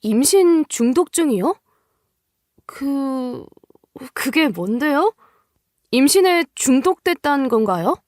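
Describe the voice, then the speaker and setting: Woman playing a worried woman boss, high-pitched. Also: very animated, slow, pauses often, a little mellow, no echo, clean studio sound, full character voice. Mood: anxious, torn. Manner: anxious, hesitant.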